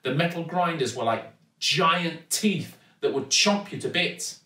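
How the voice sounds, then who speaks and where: British male storybook reader: dramatic, animated delivery, recorded in an echoey room at some distance. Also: a little high, a little slow. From United Kingdom. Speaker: actor reading a children's book. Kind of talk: expressive storybook narration.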